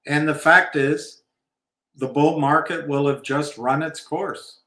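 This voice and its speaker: A man's voice: fairly high pitch, steady tone, takes it slowly, pushed and bright. A man hosting a casual livestream about markets, rambling and opinionated with wry asides. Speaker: livestream host. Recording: roomy echo.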